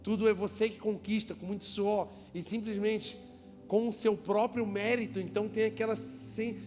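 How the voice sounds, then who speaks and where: A man with a high voice preaches to a congregation in a church, joking with the crowd, asking them questions and calling for applause. His voice rings out with a long reverb in the church hall. Soft music plays underneath. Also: flat delivery, moderate pace. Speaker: pastor. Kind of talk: lively sermon to a congregation.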